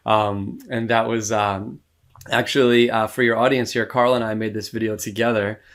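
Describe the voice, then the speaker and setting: American man, thirties, lowish voice, easygoing rambling chat, lots of ums and laughs. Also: normal speed. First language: English. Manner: relaxed, rambling, laughs often, many fillers. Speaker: musician guest. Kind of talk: casual interview talk.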